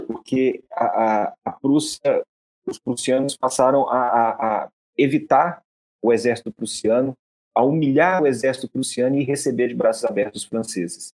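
Here is a man at a middle pitch, talking through military history in a loose, chatty lecture. He often trips on his words, repeating short syllables and restarting before he goes on. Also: darkish tone. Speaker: history show host. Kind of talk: casual spoken history lecture.

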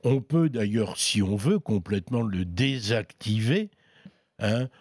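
A man chatting casually on a radio tech show, reviewing gadgets in an unhurried way with many hesitations. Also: on the low side, expressive, a little mellow, dry recording, clean studio sound.

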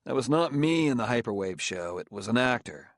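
A man's voice: medium pitch, animated, a little fast, no room sound, clean studio sound, close to an everyday voice. A man voicing a curt, guarded Earthman in an audiobook, speaking in a stiff, formal, cold manner. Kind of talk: audiobook character dialogue.

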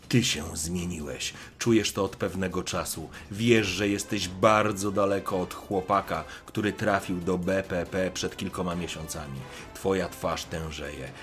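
A man narrating a dark story in the second person, in a brooding, measured way. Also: sits low. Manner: slow, brooding, measured delivery.

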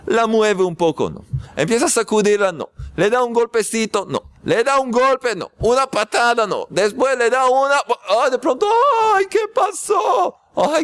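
A man teaching a spiritual class, telling stories and acting out shouted scenes, repeating key phrases for emphasis. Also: a little high, smooth, no echo, studio quality. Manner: animated storytelling, acts out shouted scenes. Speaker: religious teacher.

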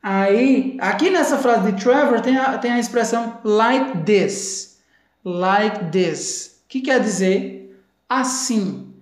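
A woman with a Brazilian Portuguese accent teaching English from a video clip, repeating English phrases slowly and carefully. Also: on the high side, animated, echoey room. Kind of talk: language lesson explaining a video clip.

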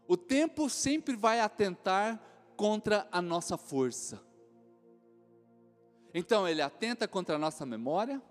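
A Brazilian man with an unusually high voice preaches a sermon. He tells lively stories and acts out the people in them. The sound rings out with a long hall echo, and soft music plays behind him. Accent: Brazilian Portuguese. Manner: animated storytelling, acts out other voices, laughs often. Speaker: pastor. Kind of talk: sermon with acted anecdotes.

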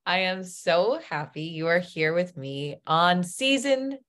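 A woman hosting a podcast in casual chat, emotional and gushing, often filling pauses with um and uh. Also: fairly low pitch, fairly bright tone. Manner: emotional, gushing, many ums and uhs. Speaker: podcast host.

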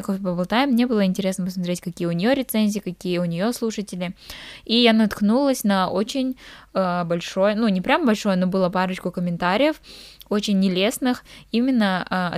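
A woman's voice: medium pitch, dry recording, clean studio sound. A young woman from Kazakhstan co-hosting a podcast, talking casually with frequent hesitant filler sounds. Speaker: podcast co-host. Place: living in England.

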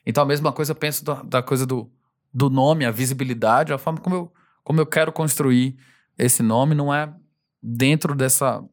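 A male singer talking casually in an interview. He rambles freely, laughs often and slips into quick impressions of fans. His voice sits at an ordinary pitch.

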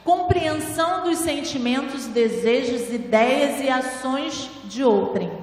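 Woman, spiritual lecture, high voice, didactic, handheld mic, distant, very echoey hall. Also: slow, darkish tone. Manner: didactic, rhetorical questions, frequent "né?". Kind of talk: spiritual lecture to a seated audience. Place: large hall with audience. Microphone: handheld microphone.

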